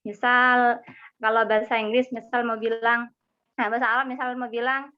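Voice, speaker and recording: A woman's voice: fairly high pitch, level tone, normal speed, dull audio. A young woman with a Madurese accent, a student politely asking a rambling, hesitant question in an online class.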